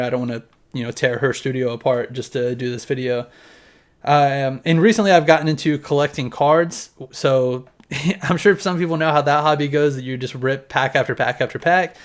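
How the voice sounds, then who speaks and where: A man in his thirties talking casually to camera at home, showing off his collection in a loose, rambling way and swearing now and then. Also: fairly high pitch. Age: 30s. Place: home room with collection on display.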